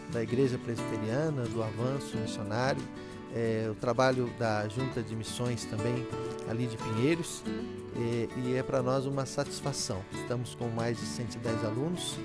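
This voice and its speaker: A man, a seminary chaplain and pastor, addressing viewers formally with occasional filler pauses. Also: medium pitch. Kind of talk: prepared address to camera. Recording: guitar music under the voice. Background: clear guitar music.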